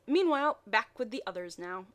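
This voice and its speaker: Wry woman reading aloud, fairly high voice. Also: a little fast. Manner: wry, deadpan asides. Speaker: reader and commentator. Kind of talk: mocking read-aloud of amateur fan fiction with asides.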